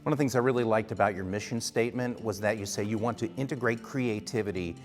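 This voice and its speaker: A man's voice: lowish voice, quick pace, faint music behind. A man hosting a conversational on-location interview, speaking in an informal, enthusiastic way. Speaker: host interviewer.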